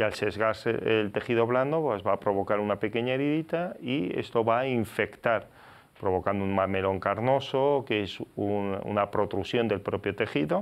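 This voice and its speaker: A man speaks at a moderate pace in a fairly low voice with ordinary pitch variation. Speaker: podiatrist; guest. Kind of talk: expert interview answering viewer questions. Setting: studio. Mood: calm, explanatory. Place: studio. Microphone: lapel.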